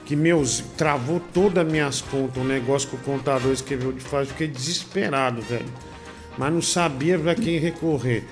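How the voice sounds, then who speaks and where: A man's voice: mid-range voice, normal speed, soft background music. A man hosting a comedy show, reading viewer messages aloud in a rambling, joking way. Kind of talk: reading superchats, bantering.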